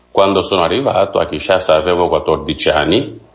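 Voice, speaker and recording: A man talks at a moderate tempo while noticeable background noise sits behind him. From Democratic Republic of the Congo. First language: not Italian (Congolese languages/French) (speaking Italian). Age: 30s. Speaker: religious brother and education researcher. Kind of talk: radio interview.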